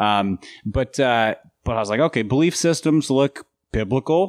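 In an American accent and an unremarkable speaking voice, a man with a medium pitch talks at a fairly slow pace, on a very clean recording with a silent background and a dry, close sound with no echo. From US Upper Midwest, Minnesota. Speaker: pastor and author. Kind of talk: casual interview chat. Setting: indoors by a fireplace, recorded at camp.

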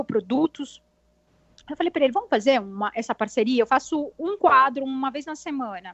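A woman with a high pitch talks at a moderate speed, her pitch varying in an ordinary way. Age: 30s. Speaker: amateur runner and running influencer. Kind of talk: casual chat.

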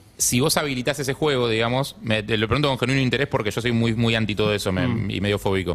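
A man at medium pitch, very fast and with hardly any pauses, ordinary pitch variation, very even loudness, and noticeable background noise. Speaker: radio co-host. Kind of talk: casual chat.

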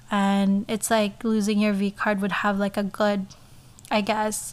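Her tone is animated as the woman speaks at medium pitch. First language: not English. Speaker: podcast host. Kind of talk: solo casual chat. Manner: loud.

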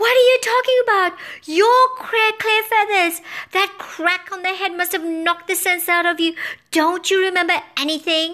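A put-on character voice, extremely high and shrill, moves at a moderate pace. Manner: screeching, exasperated.

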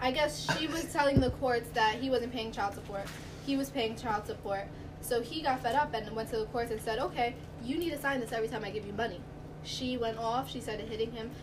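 Fairly quick speech from a woman with a fairly high pitch and ordinary pitch variation, over noticeable background noise. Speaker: roundtable guest. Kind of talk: casual chat.

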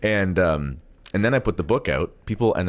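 On a very clean recording with a silent background, a man with a Canadian accent talks fairly quickly with vocal fry and ordinary pitch variation. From Canada. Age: 30s. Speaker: journalist and author. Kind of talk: interview.

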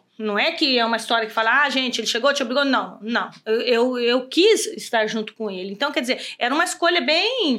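Fairly quick, lively speech from a woman with a high-pitched voice. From Brazil, Ponta Porã (Mato Grosso do Sul). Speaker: Brazilian expat living in Italy, event organizer and former dance teacher. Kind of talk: casual interview chat, storytelling. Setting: podcast studio with several hosts.

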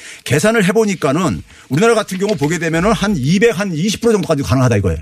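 Over noticeable background noise, a man talks in a high pitch with very wide pitch swings. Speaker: economics professor. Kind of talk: radio interview. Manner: loud, raised voice.

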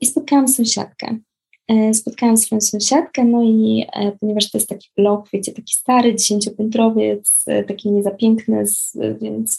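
A woman with a dark, mellow tone and a fairly high pitch speaks at a moderate pace, her voice somewhat breathy. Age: 30s. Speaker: life coach. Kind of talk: interview.

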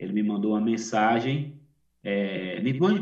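Audible room echo colors a man's medium-pitched voice as he speaks with lively intonation. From Bahia, northeastern Brazil. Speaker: missionary pastor. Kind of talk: missionary report presentation to a church.

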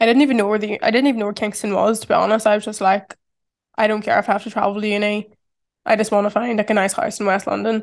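A woman with a Northern Irish accent, fairly high pitch, fairly even intonation and a very fast pace. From Northern Ireland. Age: 20s. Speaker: podcast host. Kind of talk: solo monologue. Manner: nervous.

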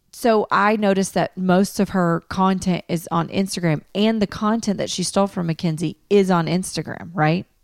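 Speaking at a moderate pace with hardly any pauses, a woman with an ordinary speaking voice and medium pitch keeps a fairly even intonation, the sound dry and close with no echo. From US Southeast. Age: 30s. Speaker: podcast co-host. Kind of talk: casual chat.

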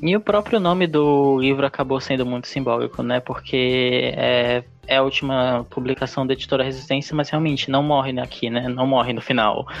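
A medium-pitched man at a moderate pace, with hardly any pauses, fairly even intonation and noticeable background noise. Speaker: author and podcaster. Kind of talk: casual interview.

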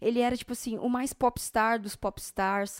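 A woman talks in a plain, everyday voice, fairly high in pitch with ordinary pitch variation. Her pace is moderate, and the recording is very clean with a silent background. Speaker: podcast co-host, designer and content creator. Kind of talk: casual chat.

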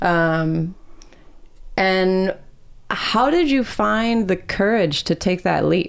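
A woman with an American accent speaks at a very slow pace and a medium pitch, her loudness very even, her pitch moving in an ordinary way, with long, frequent pauses. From Texas. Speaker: podcast host. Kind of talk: casual interview conversation.

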